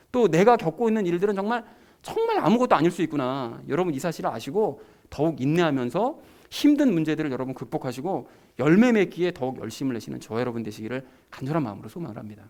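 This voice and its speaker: A man's voice: fairly high pitch, big pitch swings, quick pace, a little mellow. A man preaching a sermon as pastor, talking conversationally and emphatically to his congregation.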